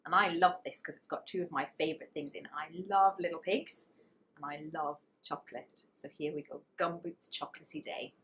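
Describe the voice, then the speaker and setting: A woman reading a children's story aloud with expressive narration and dramatic emphasis on key words. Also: low-pitched, moderate pace, a little hiss or hum.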